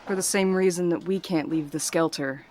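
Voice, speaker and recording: A woman acting in an audio drama as a wry, articulate character, speaking in a dry, measured way. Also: on the low side, steady tone, a little mellow, slight background noise, lightly acted. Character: wry, blunt postal worker, also a reflective letter-writing ghostwriter. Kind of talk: audio drama dialogue and monologue.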